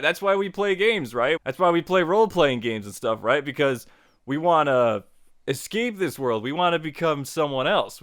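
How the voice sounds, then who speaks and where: An online tutorial host leads a casual video lesson, chatty and enthusiastic, repeating words, restarting phrases and saying "you know" a lot. His medium-pitched voice is a bit bright, recorded dry at studio quality.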